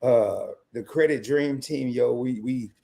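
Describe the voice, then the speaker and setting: A man talking casually on a livestream, voice gone hoarse from recording a lot, emphatic and hype-building as he pitches his point. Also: slow, mellow. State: losing his voice. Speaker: channel founder and guest.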